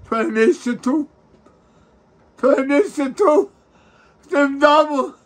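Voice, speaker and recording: An older man addressing viewers while crying, with a wailing, drawn-out lament in his voice. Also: extremely high pitch, a little hiss or hum.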